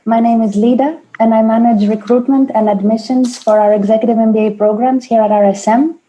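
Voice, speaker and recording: Dark-toned Greek woman hosting webinar. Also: a little high, fairly even intonation, poor audio. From Greece. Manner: measured, with frequent fillers and restarts. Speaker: webinar host, admissions manager. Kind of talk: hosting an online panel webinar. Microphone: video call.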